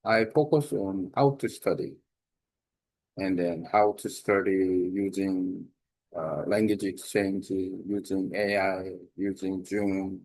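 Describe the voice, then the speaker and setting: A man with a Korean accent, a native Korean speaker, giving an informal spoken lesson on language learning, halting with many fillers and restarts. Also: sits low, fairly even intonation, a little mellow, low-quality recording. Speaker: language exchange host.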